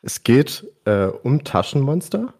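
A man's voice: mid-range voice, very animated, takes it slowly, gravelly, a little mellow. A man chatting casually and informally about video games as a podcast guest, using youthful slang. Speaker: podcast guest presenting his favourite games.

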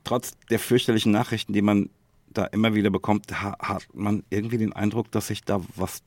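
A man's voice: lowish voice, level tone, fairly quick, no echo. A man, co-hosting a casual podcast chat and often tagging phrases with a questioning "ne?". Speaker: podcast co-host, quiz poser.

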